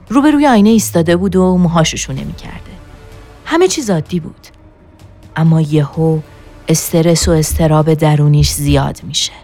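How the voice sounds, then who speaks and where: A woman with a notably low voice tells a horror story in a scripted, suspenseful style. Her delivery is dramatic and measured. Faint music plays under her voice. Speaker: narrator. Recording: soft music bed behind the voice.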